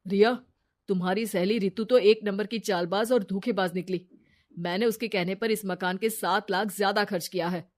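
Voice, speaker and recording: A woman's voice: medium pitch, fairly even intonation, normal speed, lightly acted. A woman voicing a blunt, distrustful young husband in a cartoon story. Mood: angry.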